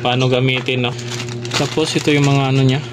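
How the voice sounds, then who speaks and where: A man's voice: mid-range voice, level tone, a little fast. A man with a Filipino accent chatting casually through an unboxing as a vlogger, in short informal phrases. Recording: loud vehicle and background noise.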